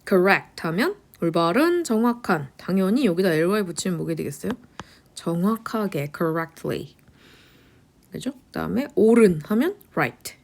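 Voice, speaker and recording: In a fairly low, slightly mellow voice, a woman lectures on English vocabulary. Her style involves asking brief rhetorical questions, supplying the answers, and frequently speaking in a whisper.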